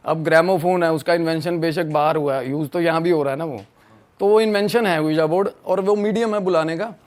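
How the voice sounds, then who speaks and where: Animated man telling a story. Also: fairly high pitch, fairly quick. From Punjab, India. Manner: animated, mixes in English phrases. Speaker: podcast guest. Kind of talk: casual storytelling.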